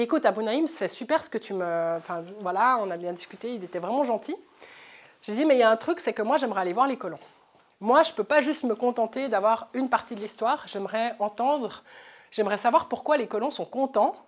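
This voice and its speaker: A woman in her thirties with a Swiss French accent, giving a talk and telling anecdotes in a lively way, often laughing. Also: fairly high pitch. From Switzerland. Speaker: journalist speaker. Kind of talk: lecture storytelling. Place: lecture hall, live audience.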